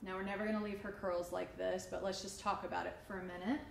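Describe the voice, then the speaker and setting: A woman's voice: medium pitch, flat delivery, quick pace, gravelly. A woman in her forties, a salon owner, talking casually and chattily as she teaches during a demonstration. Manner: chatty, informal. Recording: echoey studio room, faint ambient noise.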